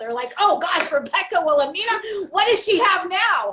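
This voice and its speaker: A raised, projected voice with very wide pitch swings rises over noticeable background noise. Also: woman. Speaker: network marketing team leader. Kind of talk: motivational speech on a corporate call. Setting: corporate office. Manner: loud.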